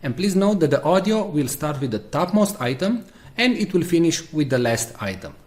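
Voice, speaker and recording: Higher-pitched man presenting a software tutorial. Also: big pitch swings, moderate pace. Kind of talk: screen-share software tutorial narration.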